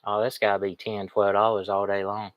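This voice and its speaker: A man's voice: fairly low pitch, monotone, a little fast, dry recording, highs cut off. A man with a cold chats in a rambling, folksy way as he shows items to viewers in a casual livestream. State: sniffly, has a cold. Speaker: online reseller streaming.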